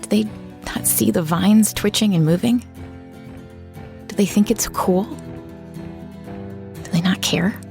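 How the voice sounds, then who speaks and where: A woman's voice: mid-range voice, takes it slowly, vocal fry, pauses often. An actress playing a bitter woman writer who returns to a hometown that shuns her, narrating an audio drama in a terse, brooding way. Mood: defiant, bitter. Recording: music behind the voice.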